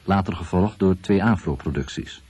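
A man reads scripted documentary narration as a radio presenter, in a measured, formal announcing manner. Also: sits low, a little mellow, slightly rough. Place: 1970s radio production.

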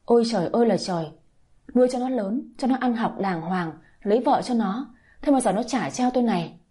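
A woman's voice: expressive, fairly quick, dark tone, breathy edge. A woman voicing a bitter older village mother-in-law who scolds and wails, in a read-aloud story. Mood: shrieking. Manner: shrill, scolding, wailing.

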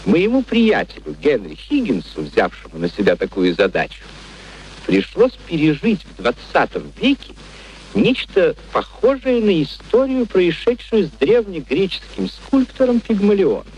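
A genial gentleman storyteller, somewhat high in pitch, with sweeping, highly animated intonation. He narrates with amused, courteous curiosity and theatrical expression. It is an old radio play recording with faint noise. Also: moderate pace, low-quality recording. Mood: wry, storytelling.

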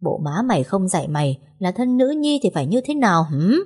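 A woman voicing a harsh older mother-in-law, sharp and contemptuous. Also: lowish voice, very animated, fairly quick, breathy edge, soft background music, heavily acted. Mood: scornful.

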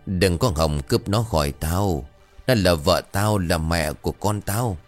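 Hoarse vengeful ghost guy, man reading him, deep and slow, a menacing voice with faint music behind. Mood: threatening. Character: vengeful male ghost possessing a young woman.

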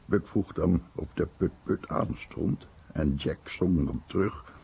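A man with a gravelly voice reading scripted documentary narration and translated voice-over. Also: low voice, slow, warm tone. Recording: dull, muffled broadcast recording.

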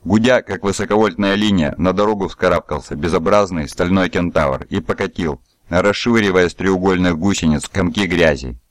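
A man with a very low voice narrates a novel as an audiobook. His reading is even and steady, recorded dry and close with no room sound. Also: normal speed, no room sound. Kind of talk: scripted narration.

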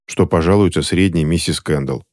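Man voicing a meek jumpy orphan boy, polite and slow, deep plain voice. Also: a little mellow, no room sound, studio quality, natural voice.

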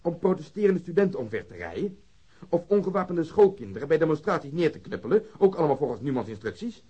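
An actor playing a persistent, sceptical homicide detective in a radio drama, questioning insistently in a husky voice. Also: male voice, a little high, very animated, quick pace, mellow, lo-fi sound. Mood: accusing.

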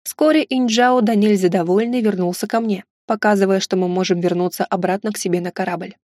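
A woman narrating an audiobook with an even, steady reading. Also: mid-range voice, fairly quick, no echo, clean studio sound. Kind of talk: scripted narration.

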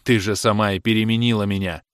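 A man's voice: lowish voice, steady tone, quick pace, clean tone, no echo, clean studio sound, natural voice. A man voicing a jealous, furious young man who hurls accusations at his lover in a raised, scornful voice. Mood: cold scornful. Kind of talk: audiobook character reading.

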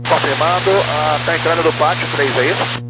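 A man, a pilot, calling the control tower in brisk, clipped phrases over a two-way aviation radio. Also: a little high, steady tone. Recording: static-heavy radio transmission with hum.

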